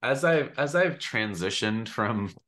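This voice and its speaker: A man in his fifties with a low voice hosts a casual conversation over a video call. He thinks aloud, pausing and restarting as he works toward his point, and his voice comes through a simple webcam mic at home. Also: expressive, a bit bright. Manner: thoughtful, searching for words, gestures a lot. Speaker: podcast host and analyst.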